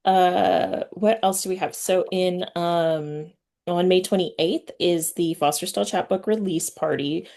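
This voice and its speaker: A woman hosting a podcast, talking in an informal, halting, slangy way through chat and announcements. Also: lowish voice, fairly even intonation, a little mellow. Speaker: podcast host. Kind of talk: casual chatty interview and announcements.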